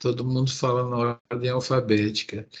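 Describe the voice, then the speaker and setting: Speaking at a fairly slow pace, a man delivers his words in a flat monotone. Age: 60s. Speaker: university professor. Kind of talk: lecture. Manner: casual, conversational.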